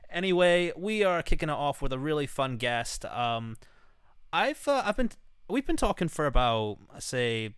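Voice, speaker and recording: Man from Scotland, podcast host, smooth, dry close sound, casual and sweary. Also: on the high side, very animated, moderate pace, fairly bright tone, no echo. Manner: loose, sweary, self-mocking. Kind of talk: casual interview chat.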